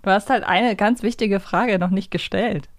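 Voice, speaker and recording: A woman's voice: medium pitch, dry recording. Teasing woman, dry close sound. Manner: teasing, quick yes-no answers. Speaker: podcast co-host. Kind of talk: casual guessing game chat.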